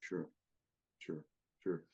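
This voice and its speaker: A man's voice: extremely slow, dark tone, muffled recording. A man speaking as a guest in a podcast interview, earnest and often repeating words as he builds a point. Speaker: guest, leadership consultant.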